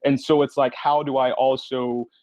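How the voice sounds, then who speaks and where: A man's voice: mid-range voice, level tone, normal speed, darkish tone, dry recording, muffled recording. A man speaking as a podcast creator on a panel, answering conversationally and acting out short quotes as he tells stories. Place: remote online panel.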